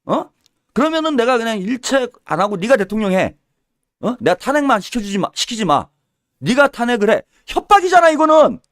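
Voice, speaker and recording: Heated high-voiced male political commentator. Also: very animated, a little fast, a bit bright. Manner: heated, scolding, mocking with insults; acts out little mock dialogues.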